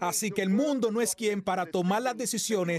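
A man speaks at a moderate pace in a high voice with ordinary pitch variation over light background noise. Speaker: preacher. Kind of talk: sermon. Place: church.

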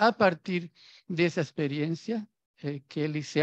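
Against a quiet background with a dry sound and no echo, a man speaks at a fairly slow pace in a high pitch with ordinary pitch variation. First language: Spanish (speaking Portuguese). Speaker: audience member. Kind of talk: question from the audience. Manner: halting. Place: classroom.

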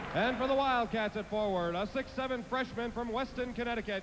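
With noticeable background noise, a man talks in an extremely high pitch with ordinary pitch variation. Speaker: public address announcer. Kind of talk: public address announcement of starting lineups, formal and even. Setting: arena PA system. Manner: formal, measured, clear. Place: stadium.

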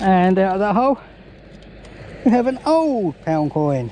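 Light background noise and a dry sound with no echo. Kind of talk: casual vlog chat. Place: beach. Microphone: phone near.

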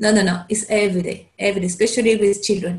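A woman's somewhat breathy voice at a fairly quick pace, with fairly even intonation over a quiet background. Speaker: teacher. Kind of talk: lecture. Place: home room. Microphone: webcam.

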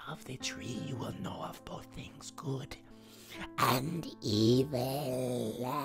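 The speaker uses a put-on character voice and goes at a very slow pace. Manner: tempting, sly.

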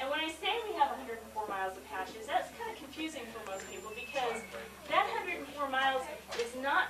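Noticeable background noise sits behind the recording. A woman talks over it at a high pitch. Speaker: park ranger guide. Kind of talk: guided tour talk. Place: street. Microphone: old recording.

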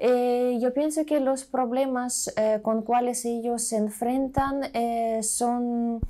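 This voice has a dark, mellow tone and a monotone, flat intonation, moving at a very slow pace. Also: woman, high pitch for a woman, very even loudness. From eastern Ukraine, Donetsk; Ukraine. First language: Russian or Ukrainian (speaking Spanish). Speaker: refugee aid worker. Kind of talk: interview. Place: office.

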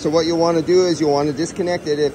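There is noticeable background noise as a man speaks, and the sound is dry with no echo. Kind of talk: tutorial. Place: garage.

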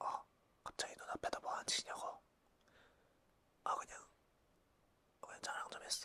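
Whispering comes from a man at a moderate pace. His pauses are long and frequent. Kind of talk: ASMR roleplay, close personal attention. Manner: casual, familiar, chatty.

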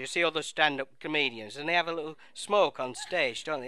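A man talks at a very fast clip in a fairly high pitch. Noticeable background noise runs behind him. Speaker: stand-up comedian (animated matchstick character). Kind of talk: stand-up comedy set with one-liners and puns. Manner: animated, chirpy, punchline-driven with pauses for laughs.

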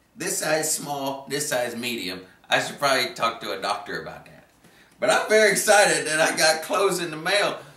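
With audible room echo, a man speaks at a fairly quick pace in a fairly high pitch, his voice making very wide pitch swings and big swings in loudness. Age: 40s. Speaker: stand-up comedian. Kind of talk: comedic monologue to camera. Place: home room. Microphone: camera far.

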